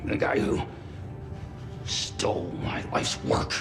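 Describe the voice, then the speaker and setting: An actor playing a vengeful, scheming man in a game trailer, low and menacing. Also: slow, natural voice. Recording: roomy game trailer audio under loud music.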